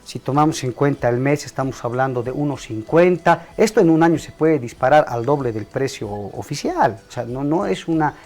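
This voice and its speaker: A man who is a guest on a TV talk show, explaining exchange rates in a measured, analytical way. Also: mid-range voice, expressive, darkish tone. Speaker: economist guest. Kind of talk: explanatory TV interview.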